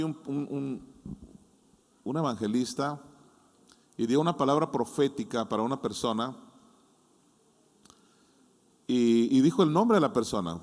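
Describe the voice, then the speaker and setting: A male pastor with a Mexican Spanish accent gives a sermon in a conversational way and acts out his listeners' doubts with humor. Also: mid-range voice. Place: church hall. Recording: long hall reverb.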